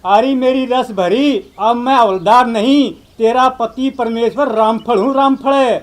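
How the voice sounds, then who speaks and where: A man's voice: very high voice, steady tone, a little slow. A man playing an obliging constable who is also a henpecked husband. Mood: meek. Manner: obliging, meek. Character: meek middle-aged constable and henpecked husband. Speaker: constable in a comedy telefilm.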